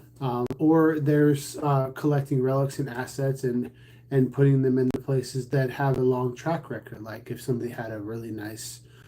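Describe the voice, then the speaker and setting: A man at a medium pitch, moderate pace and fairly even intonation, with noticeable background noise. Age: 30s. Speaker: YouTuber talking about saving and investing. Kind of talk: casual livestream monologue. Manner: calm; many filler words.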